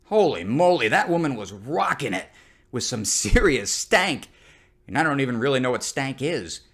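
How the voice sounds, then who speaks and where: A man's voice: medium pitch, sing-song, moderate pace, fairly bright tone. A man delivering scripted comedic news commentary as the host of a satire show, in the manner of a parody news anchor.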